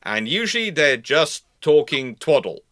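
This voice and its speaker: A man with a bright, forward voice hosts an unscripted question-and-answer session. He sounds close and dry, and he often breaks off to correct and rephrase himself as he explains. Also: a little high, sing-song, dry recording. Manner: halting, self-correcting, rephrasing mid-sentence. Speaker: host of a naval history live Q&A. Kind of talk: unscripted live discussion, answering viewer questions.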